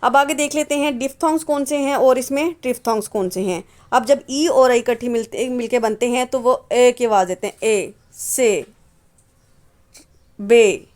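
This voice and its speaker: A woman's voice: a little high, a little fast, few pauses, darkish tone. A woman teaching English phonetics, patiently repeating example words and asking and answering her own questions. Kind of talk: phonetics lesson explaining symbols.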